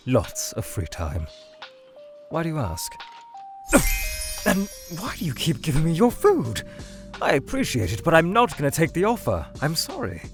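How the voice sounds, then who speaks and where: A man playing a weary, scholarly monster scientist trapped in a void, speaking in a measured, halting, brooding way that trails off, in a fan audio drama. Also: fairly high pitch, full character voice. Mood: puzzled, polite. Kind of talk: fan audio drama, in-character answers to questions.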